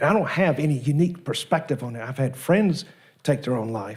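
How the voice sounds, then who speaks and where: A man's fairly high, somewhat breathy voice at a fairly quick pace. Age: 70s. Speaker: author and medium. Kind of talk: casual talk to church congregation. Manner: halting, many fillers.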